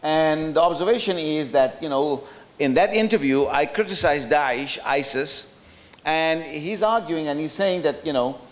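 A man's voice: on the high side, a little slow. A middle-aged man from South Africa giving a talk at a roundtable from a podium in a hotel function room, thoughtful and hesitant with many fillers and restarts. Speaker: speaker at a roundtable. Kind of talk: lecture with slides. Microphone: podium microphone.

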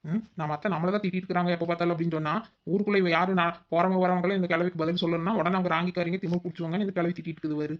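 Rapid-fire scheming daughter-in-law, acted by a woman. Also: fairly low pitch, steady tone, lo-fi sound, natural voice. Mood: exasperated. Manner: muttering asides, fretful. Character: scheming, exasperated young village daughter-in-law. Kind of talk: cartoon comedy dialogue.

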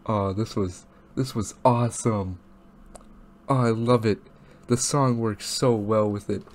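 A man's voice: fairly low pitch, fairly even intonation, measured pace. A young man talking casually as the host of a reaction video. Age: young adult. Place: small room at home, indoors.

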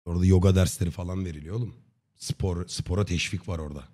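A man in his thirties chatting casually on a livestream in a slangy, joking, deadpan way. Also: low voice, fast talker, slightly rough. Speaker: live streamer. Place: dim indoor streaming room. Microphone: close desk microphone with headset on.

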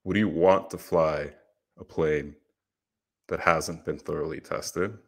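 A young man from Puerto Rico giving a prepared conference presentation, earnest and steady, speaking into a headset in a small room. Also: rumbling low, slow. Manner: earnest, steady explanatory delivery.

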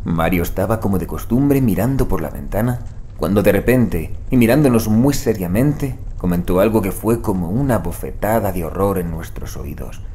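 An actor playing an amiable, anxious investigator's sidekick in an audio drama, hesitant and sceptical. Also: male voice, sits low, animated, moderate pace, warm tone, a little hiss or hum. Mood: tense storytelling. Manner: hesitant, incredulous. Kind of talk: Spanish-language audio drama acting and narration.

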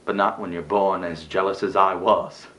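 A man performing a dramatic stage monologue as a bitter, jealous elder brother, sarcastic and emotional, moving between hushed delivery and outbursts. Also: deep voice, steady tone, moderate pace, pitched below the performer's own voice.

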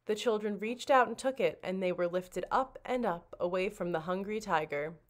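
A woman reading a children's storybook aloud like a librarian, with expressive, dramatic narration. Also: medium pitch, moderate pace.

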